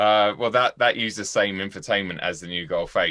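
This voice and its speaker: A man with a London accent at a fairly quick pace. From London, England. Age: 40s. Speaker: car YouTuber. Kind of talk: casual chat. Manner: animated.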